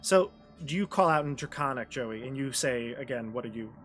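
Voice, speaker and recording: A man's voice: mid-range voice, expressive, normal speed, a bit bright, soft background music. A man working as game master, improvising tabletop game narration and often searching for his words.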